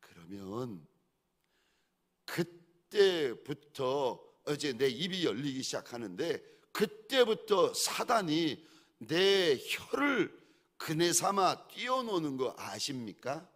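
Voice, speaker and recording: Impassioned Korean pastor, very lively pitch. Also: male voice, slow. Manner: swings between hushed pleading and loud exhortation; repetitive, rhetorical questions to the congregation. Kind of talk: sermon.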